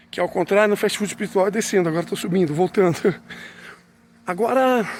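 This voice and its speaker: With ordinary pitch variation, the talking runs at a fairly quick pace. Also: man, high pitch for a man. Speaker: religious commentator. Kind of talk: religious reflection monologue. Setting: outdoors, walking uphill. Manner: animated.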